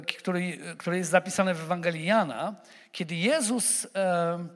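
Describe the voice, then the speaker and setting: A man preaching a sermon who speaks straight to the congregation, animated and repeating words as he stumbles. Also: sits high, big-room sound.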